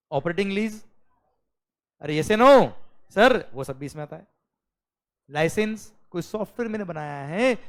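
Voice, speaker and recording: A man teaching a classroom lecture, often asking his students whether things are clear and mixing English phrases into his speech. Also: high voice. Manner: lively, drills students with repeated questions.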